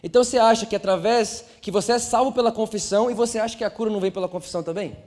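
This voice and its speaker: Young guy preaching, pretty high voice, lively, keeps asking the crowd stuff. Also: very fast, long reverb tail. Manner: animated, acts out quoted voices, asks the crowd questions. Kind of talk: sermon.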